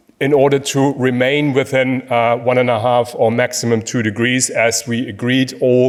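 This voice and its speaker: At a moderate pace, a man with a German accent talks at medium pitch with fairly even intonation. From Germany. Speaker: professor, energy systems researcher. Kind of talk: conference talk.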